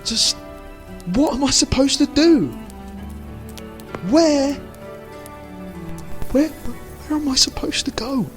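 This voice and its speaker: A man's voice: extremely high pitch, slow, pauses often, soft background music. A man acting in an amateur audio drama as a bewildered fugitive, speaking earnestly and expressively. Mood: desperate. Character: bewildered fugitive man hiding among Sasquatches.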